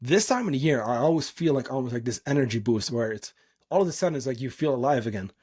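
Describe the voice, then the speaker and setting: A man from the Netherlands whose first language is Dutch speaks at a medium pitch. He talks off the cuff like a podcasting coach, informal and earnest. He leans on his points with emphasis, in a motivational solo style. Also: expressive, fast talker, darkish tone, slightly rough.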